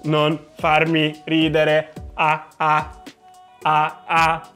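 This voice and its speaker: A man doing a slow, stiff robot voice. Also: a little high, completely flat delivery, bright, forceful tone, faint music behind, heavily acted. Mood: mechanical. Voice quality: slow, halting, mechanical delivery. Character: stiff, halting male robot. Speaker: co-host of a children's toy show. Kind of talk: playful robot voice for kids.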